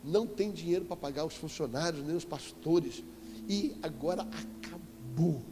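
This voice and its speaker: Animated Brazilian preacher man in echoey hall. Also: on the high side, moderate pace, slight background noise. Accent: Brazilian Portuguese. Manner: animated, emphatic storytelling with sudden loud exclamations. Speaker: apostle preaching. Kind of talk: storytelling sermon. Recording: echoey church hall with faint music.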